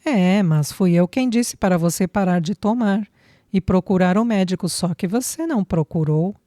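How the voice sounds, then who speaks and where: A woman's voice: fairly low pitch, moderate pace, mellow, no room sound, clean studio sound, close to an everyday voice. A woman voicing a loving young man, pleading and emotional, moved almost to tears.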